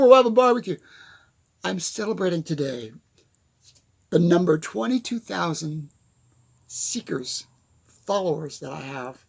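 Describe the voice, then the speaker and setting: A man's voice: high-pitched, gravelly. A man giving a casual, rambling motivational rant to camera in his apartment, laughing and going off on asides. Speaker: motivational YouTuber.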